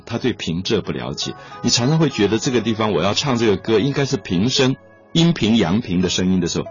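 A man giving a patient lecture on classical poetry, repeating key points and stretching out his particles. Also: low-pitched. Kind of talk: explanatory lecture. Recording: dull lo-fi recording with faint music.

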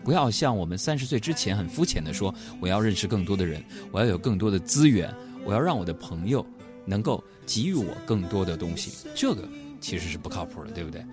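Animated Northeastern Chinese man joking. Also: quick pace, over music. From Northeast China. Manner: jokey, playful teasing, sudden jumps into high mock voices. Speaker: host. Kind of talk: comic storytelling monologue.

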